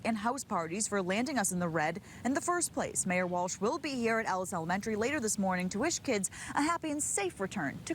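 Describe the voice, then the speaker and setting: A woman field reporter delivering a live news report from outside a school, earnest and steady. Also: medium pitch, a little hiss or hum.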